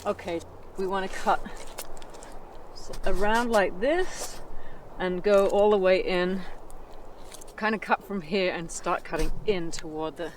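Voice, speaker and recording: A man who teaches wilderness skills, speaking slowly and reflectively in a documentary interview and while teaching. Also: high-pitched, a little hiss or hum.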